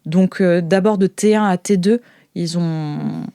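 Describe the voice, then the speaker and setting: A woman's voice: on the low side, measured pace, creaky, mellow, dry recording, studio quality. A woman running an improvised tabletop game as game master, narrating hesitantly as she makes things up.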